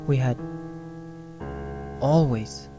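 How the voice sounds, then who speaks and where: A narrator reading a scripted first-person story in short phrases with frequent pauses. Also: mid-range voice. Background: music with guitar and piano.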